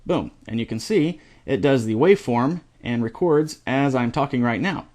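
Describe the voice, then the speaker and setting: A middle-aged man talks through a software tutorial at his desk microphone. He rambles casually, restarting sentences and filling gaps with ums. His voice sits at an ordinary middle pitch. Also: lively intonation, normal speed. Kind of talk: screen-recorded software tutorial.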